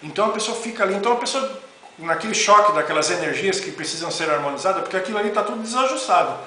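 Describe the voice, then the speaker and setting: Middle-aged man, a rambling spiritual teacher with a high voice and faint hiss behind him. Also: lively intonation, very fast, pushed and bright. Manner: rambling, repeats "né?" often. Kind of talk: informal spoken lecture. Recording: very echoey room with faint noise.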